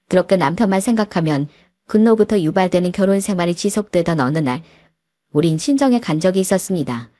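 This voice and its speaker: A woman's voice: lowish voice, a little mellow, no room sound, studio quality. A woman reading a first-person family story in a confiding, scripted narration.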